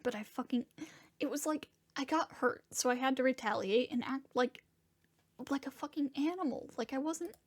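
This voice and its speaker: Distraught young male monster in audio fiction, played by a woman; fairly high voice, halting, profane confession. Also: darkish tone. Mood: guilty, anguished. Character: distraught young monstrous man Diego confessing a violent fight. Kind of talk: first-person dramatic fiction narration.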